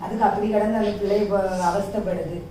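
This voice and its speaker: A woman's voice: mid-range voice, steady tone, fast talker, warm tone, close to an everyday voice. A woman playing a nosy, judgmental village gossip in an amateur drama, with a southern Tamil Nadu accent and a questioning, disapproving manner. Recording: echoey room, distant mic, faint noise.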